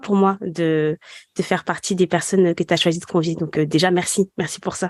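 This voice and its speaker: At a fairly quick pace, a woman talks in a normal speaking voice with a fairly low pitch. The sound is dry and close with no echo, over a quiet background. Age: 30s. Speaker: podcast host and author. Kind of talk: casual chat. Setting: video call.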